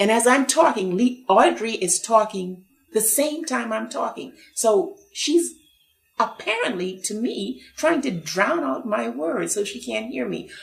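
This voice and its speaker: Speaking fairly slowly, a woman uses a fairly high pitch with very wide swings and vocal fry. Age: 60s. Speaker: timeshare owner giving a complaint. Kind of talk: testimony. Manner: emphatic.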